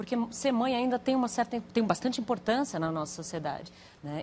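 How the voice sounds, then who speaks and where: A woman's plain, everyday voice at a moderate pace, with ordinary pitch variation against a quiet background. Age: 20s. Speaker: health journalist. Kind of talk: studio talk show discussion. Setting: studio with audience.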